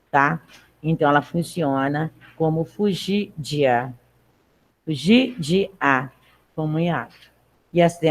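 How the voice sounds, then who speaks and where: A woman teaching a Portuguese class, reading a text aloud and patiently explaining spelling rules to her students. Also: sits low. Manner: patient, checks in with frequent "tá?". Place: classroom with students in the room and at home.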